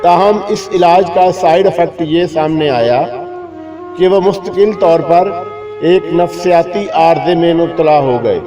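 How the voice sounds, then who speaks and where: A man reading a scripted humorous moral tale in a measured, literary, mock-solemn storytelling manner. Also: on the high side. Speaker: story narrator. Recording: dull lo-fi recording with music behind. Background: clear background music.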